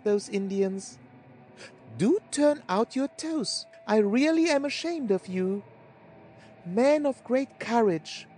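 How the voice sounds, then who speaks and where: A woman's voice: fairly high pitch, dark tone, slightly rough, exaggerated voice. A woman playing an affected, exclamatory society gossip in a comic period story. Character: chattering society gossips at cards and dances.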